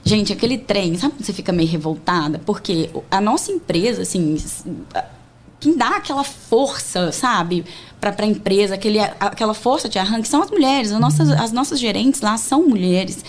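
A woman entrepreneur, a talk show guest, telling stories in an animated, emphatic way. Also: mid-range voice, normal speed. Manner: animated storyteller, lively and emphatic. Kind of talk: casual chat.

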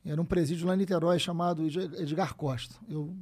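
A man, telling stories as a guest in a casual conversation, animated and full of swearing. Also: a little high, quick pace. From Brazil. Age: 50s. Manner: animated storyteller, frequent swearing and "né?" tags.

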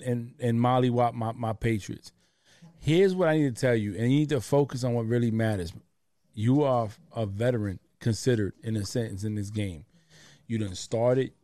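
Man, sports talk host, animated slangy delivery, mid pitch, dry close mic. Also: moderate pace, no room sound. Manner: animated, slangy, repeats words. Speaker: podcast host. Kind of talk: casual sports chat.

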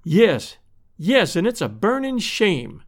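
A man's voice: high voice, big pitch swings, moderate pace, voice pushed up. A man voicing a cheery, kind-hearted, talkative rural married woman from a storybook, in a folksy, fretful manner. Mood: sorrowful. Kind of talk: storybook character voice.

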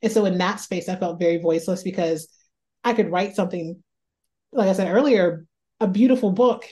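Mellow-voiced woman author, thoughtful. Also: fairly low pitch, a little fast. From Northeast Ohio. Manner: thoughtful, repeats words as she thinks aloud. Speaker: author guest. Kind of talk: reflective interview conversation.

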